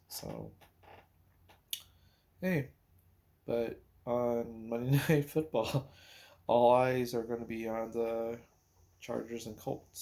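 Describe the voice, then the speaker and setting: Guy doing a casual sports podcast, slow talker, mellow voice, kinda rambly and hesitant. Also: mid-range voice. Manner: rambling, hesitant, pauses while recalling and counting. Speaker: podcast host. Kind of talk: casual sports talk, thinking aloud.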